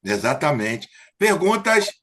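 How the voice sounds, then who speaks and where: A man leads a Bible study group in a husky, slightly rough voice. He speaks with emphatic indignation, calls on people and asks for questions. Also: on the high side, big pitch swings, slow, fairly bright tone. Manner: emphatic, indignant about hypocrisy.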